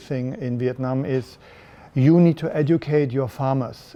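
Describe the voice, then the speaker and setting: A man with a German accent, fairly high pitch and a dark, mellow tone, ordinary pitch variation, at a moderate pace. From Germany. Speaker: detox retreat organizer. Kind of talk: interview.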